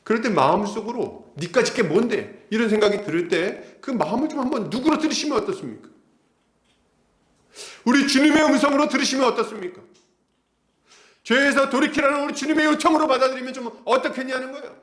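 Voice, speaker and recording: A middle-aged male pastor preaching an expository sermon, animated and acting out the characters. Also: very high voice, quick pace, roomy sound. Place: church hall.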